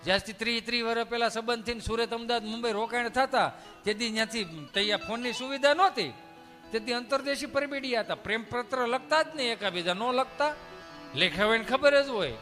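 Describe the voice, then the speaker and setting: This stage storyteller from Dhari, Saurashtra, in Gujarat delivers folksy comedy in a Kathiawadi Gujarati accent, chatting away and dramatizing the dialogue. His pitch is extremely high, his pace brisk, his tone pushed and bright. It's a live show in a large hall, with soft background music.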